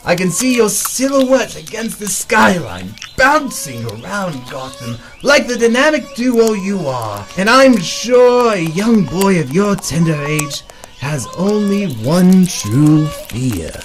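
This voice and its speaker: Shrieking manic clown supervillain. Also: male voice, high voice, big pitch swings, takes it slowly, faint music behind, exaggerated voice, poor audio. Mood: gleeful taunting. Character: manic sadistic clown supervillain, gleefully cruel, taunting.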